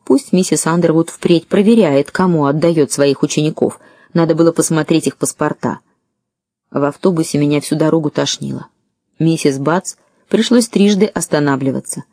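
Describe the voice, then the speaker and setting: A woman narrating a first-person audiobook story in a lively, wry way. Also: sits low, moderate pace, dry recording, clean studio sound.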